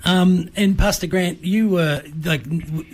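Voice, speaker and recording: A man's voice: high voice, a little slow, faint music behind. A man hosting a casual radio interview in a studio, joking and chatty, laughing often. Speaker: radio program host. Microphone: studio microphone.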